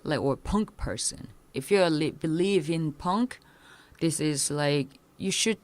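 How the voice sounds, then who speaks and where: Low-voiced woman, halting speech. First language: Korean. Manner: halting, many fillers and restarts, animated. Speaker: punk musician guest. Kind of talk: casual interview chat.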